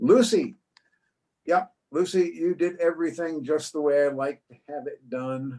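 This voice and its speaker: A man's high-pitched voice with a dark, mellow tone, lively intonation and a fairly slow pace. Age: 70s. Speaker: table topics evaluator. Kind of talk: meeting speech evaluation.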